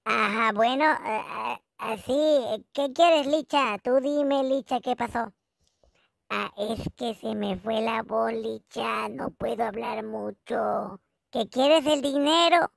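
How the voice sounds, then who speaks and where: Hoarse woman in a comic phone call. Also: on the high side, slow pace, no echo, clean studio sound. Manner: dramatic, keeps repeating the listener's name, drops into whispers. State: hoarse, claims lost voice. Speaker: comedy vlogger. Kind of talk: comic one-sided phone call sketch.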